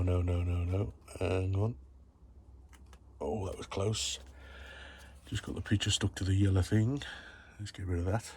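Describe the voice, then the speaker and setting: A low-sitting, darkish, husky male voice with a Black Country English accent belongs to a hobbyist vlogger from the Black Country, England. Chatty and pally, he rambles casually through a video tour of a warm grow tent in a shed.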